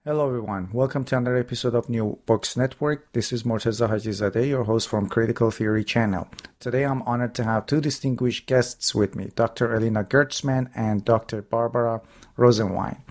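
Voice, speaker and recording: A man speaks as the host of an interview podcast. His voice sits at a middle pitch as he addresses listeners and guests. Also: fairly even intonation, a little fast, darkish tone. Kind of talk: interview hosting.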